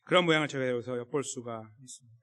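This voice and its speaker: A man's voice: mid-range voice, very fast, bright, forceful tone, smooth. A man preaching a sermon as pastor, in a conversational way that acts out what people might say. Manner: conversational, acts out quoted voices. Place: church sanctuary. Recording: echoey church hall.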